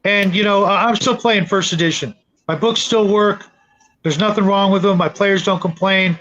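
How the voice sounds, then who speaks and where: Middle aged guy hosting a chatty stream, voice on the high side, kinda lo-fi sound. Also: moderate pace, fairly bright tone. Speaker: show host. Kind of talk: casual livestream chat.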